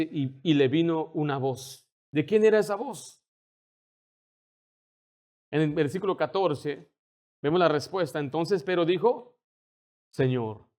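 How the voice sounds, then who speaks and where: High-voiced man preaching a sermon. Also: a little mellow. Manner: preaching with rising intensity, acting out quoted dialogue. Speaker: pastor.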